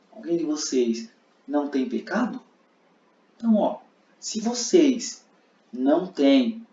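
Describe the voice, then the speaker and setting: A man voicing Jesus as calm and merciful, speaking slowly and with emphasis. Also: on the high side, reverberant, far from the mic, lo-fi sound.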